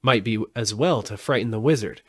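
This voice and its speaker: A man giving an expressive live reading of a storybook as narrator. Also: lowish voice, fairly quick, breathy edge, dry recording. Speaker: audiobook narrator.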